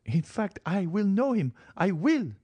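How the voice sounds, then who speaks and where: A man's voice: sits high, very animated, unhurried, warm tone, husky, no echo, pitched above the performer's own voice, exaggerated voice. A man reading an audiobook, voicing a frail, commanding old marchioness who talks feverishly of death. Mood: imperious, feverish.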